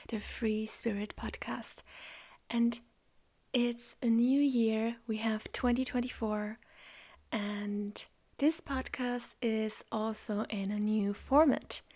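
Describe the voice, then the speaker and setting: A woman whose first language is German hosts a spiritual podcast, talking in a soft, slow, reflective way that often drops close to a whisper. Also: a little high. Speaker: podcast host. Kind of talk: calm spiritual podcast monologue.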